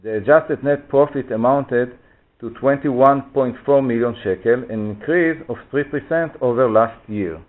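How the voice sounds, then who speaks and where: A man's voice: medium pitch, a little slow. A man giving a formal, orderly scripted presentation of financial figures on a conference call. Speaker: finance executive presenting results. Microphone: conference call phone line. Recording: tinny, narrow phone line.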